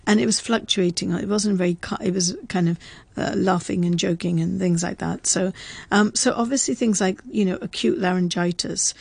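A woman's voice: fairly low pitch, fairly even intonation, normal speed, vocal fry, no echo. A woman in casual chat, explaining facts as a radio presenter and laughing often. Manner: chatty, reads facts aloud, laughs often.

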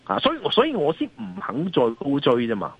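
Heard over a dull, lo-fi call line, a husky man with a Hong Kong accent, a financial analyst and columnist, speaks as an interview guest. His off-the-cuff market commentary is brisk and emphatic, with huge pitch swings, and he keeps asking rhetorical questions to win the listener's agreement.

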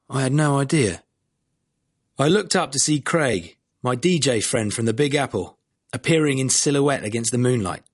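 A man reading a first-person memoir audiobook in a measured, wry storytelling manner. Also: mid-range voice, slightly rough. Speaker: audiobook narrator.

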